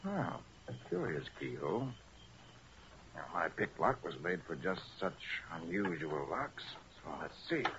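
Confident radio detective, really low voice, muffled old recording. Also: male voice, sing-song, noisy background, exaggerated voice. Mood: shrewd, assured. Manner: brisk, commanding, self-assured. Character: confident, shrewd male master detective. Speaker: actor. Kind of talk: 1940s radio acting.

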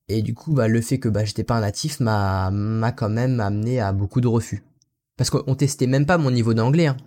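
A man's voice: medium pitch, a little mellow. A young man from France, an English teacher, telling his story casually in an interview, rambling and often tossing in "you know" and "so". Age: young adult.

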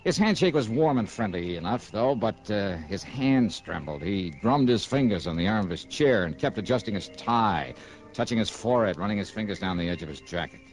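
A man plays a wisecracking insurance investigator in an old radio play. He speaks in a dry, clipped, impatient way. His voice is low and swings up and down a lot. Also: lively intonation, fairly quick, faint music behind, close to an everyday voice, low-quality recording. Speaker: narrator and lead. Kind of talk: 1960s radio drama acting and narration.

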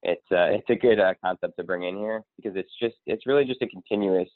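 Deep-voiced man on a tinny line. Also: quick pace, no room sound. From Connecticut, USA. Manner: relaxed, rambling with many ums. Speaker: guest, speaker and coach. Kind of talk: casual interview. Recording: tinny phone-line sound.

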